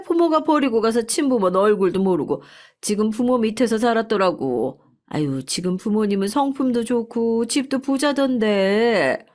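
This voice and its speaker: A speaker voicing a chatty middle-aged woman running a small restaurant, gossiping with drawn-out exclamations. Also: medium pitch, voice pushed up, lightly acted.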